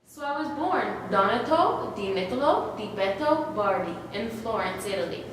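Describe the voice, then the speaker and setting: A woman's voice: medium pitch, animated, moderate pace, soft background music, lightly acted. A woman playing a friendly, self-assured male Renaissance sculptor, speaking plainly in a school-style historical skit. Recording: echoey hall from far off, noisy.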